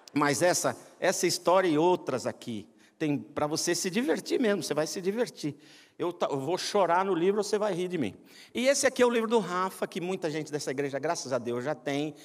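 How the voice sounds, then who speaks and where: A middle-aged man with a Brazilian accent preaching a humorous sermon, telling personal stories and acting out the voices of the people in them. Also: on the high side. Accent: Brazilian Portuguese. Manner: animated, acts out quoted voices, self-mocking jokes. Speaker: pastor. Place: large church sanctuary. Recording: church hall reverb.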